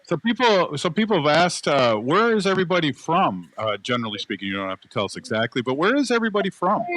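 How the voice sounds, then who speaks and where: Lively, close-sounding man hosting casually. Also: fairly high pitch, fast talker, no room sound, poor audio. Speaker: radio event co-host.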